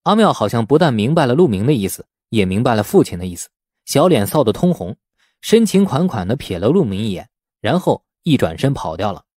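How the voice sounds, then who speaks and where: Male audiobook narrator, expressive and animated, mellow tone, dry close recording. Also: mid-range voice, a little fast, no echo. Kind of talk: scripted novel narration.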